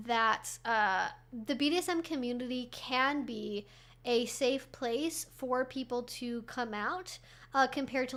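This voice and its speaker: Chatty high-voiced woman. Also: a bit bright. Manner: rambling, chatty, many fillers and restarts. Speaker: livestream host answering chat questions. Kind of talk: casual livestream Q&A.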